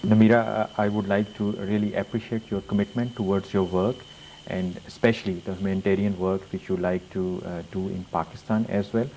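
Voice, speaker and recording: A man with a very deep voice hosts a TV interview, pausing often with fillers as he frames his questions. A faint hiss sits under the recording. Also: warm tone, poor audio. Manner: hesitant, many uh fillers. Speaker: TV host. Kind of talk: television interview.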